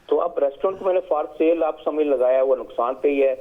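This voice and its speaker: A middle-aged man from Pakistan, calling in to a show and speaking hesitantly with many fillers and English words. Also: fairly high pitch. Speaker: caller. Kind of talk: phone-in call to a TV show. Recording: tinny phone line.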